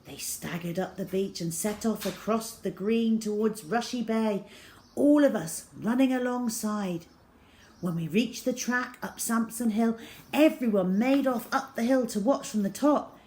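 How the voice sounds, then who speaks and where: A woman storyteller reading a children's novel aloud in the first person, with measured, dramatic feeling. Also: fairly high pitch, a little mellow.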